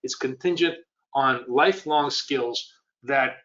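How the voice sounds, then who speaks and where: Bright-voiced man with a cold. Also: medium pitch, takes it slowly, lo-fi sound. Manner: rambling, conversational, quizzes the audience. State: recovering from a cold, scratchy. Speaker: trading educator. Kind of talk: live webinar talk to viewers.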